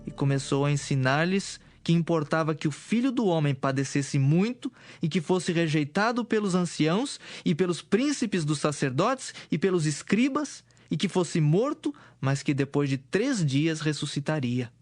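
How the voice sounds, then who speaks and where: A man narrating scripture from a script in a measured, solemn manner. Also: fairly high pitch, sing-song, darkish tone, no echo, clean studio sound. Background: music.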